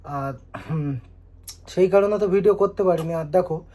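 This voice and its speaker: A young man calmly explaining and reasoning with viewers in a casual vlog at home. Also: high voice, moderate pace. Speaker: vlogger, husband. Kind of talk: casual vlog talk replying to comments. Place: home indoors.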